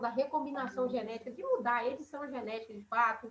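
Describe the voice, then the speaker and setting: A woman is speaking. Her pace is fairly quick. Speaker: teacher. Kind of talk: online class lecture.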